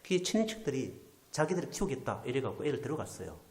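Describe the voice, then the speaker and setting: A male pastor with a delivers an animated storytelling sermon, his pitch swinging widely as he acts out the people he quotes. At times he sinks almost to a whisper. The sound rings in an echoey church hall. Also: fast talker. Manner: animated storyteller, acting out quoted voices, drops to near whisper. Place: church sanctuary.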